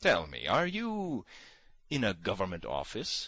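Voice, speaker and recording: A man's put-on character voice at medium pitch and moderate pace, against a quiet background. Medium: read story. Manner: condescending, majestic.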